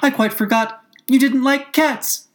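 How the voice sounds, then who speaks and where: A woman's voice: low-pitched, expressive, normal speed, voice pushed up. A woman voicing a polite, chatty, curious young girl from a storybook, with an eager, earnest, apologetic manner. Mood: eager, soothing.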